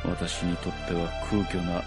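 An actor playing a gentle, melancholy nobleman in a Japanese radio drama, soft-spoken, brooding and measured. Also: deep voice, monotone. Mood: sorrowful, brooding. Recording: music behind the voice.

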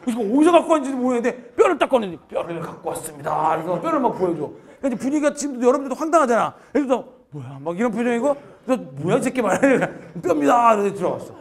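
A man's voice: very high voice, rapid-fire, hardly any pauses. A man who teaches math, telling a funny story to his class in a lecture and acting out his students' lines. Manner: animated, laughing while telling a story, acts out students' lines.

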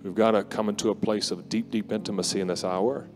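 A man in his forties preaching on an arena stage with a handheld mic, speaking earnestly and softly with many pauses. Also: lowish voice, level tone. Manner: earnest, soft-spoken, pausing often with fillers. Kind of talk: closing exhortation at a conference. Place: large indoor arena stage. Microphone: handheld microphone. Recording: live music under the voice. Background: worship music.

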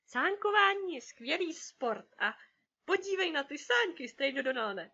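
Woman doing eager little duck nephews, high and bright. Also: big pitch swings, muffled recording, heavily acted. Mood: wheedling. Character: three eager young duck boys speaking together.

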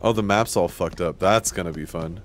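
A man's voice: deep voice, moderate pace, soft background music. A man in his thirties from Washington State who hosts a live gaming stream, chatting loosely with viewers, rambling and swearing freely. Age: 30s. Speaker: streamer, host. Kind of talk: casual live-stream chat while gaming.

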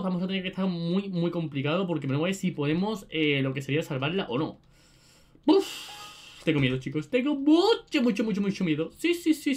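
An excitable young woman with a Spain Spanish accent narrates her gameplay, her voice swinging widely from low mutters to shrill shrieks. She chatters fast and repeats words in bursts as the game goes on. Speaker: gaming video creator. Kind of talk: let's-play commentary.

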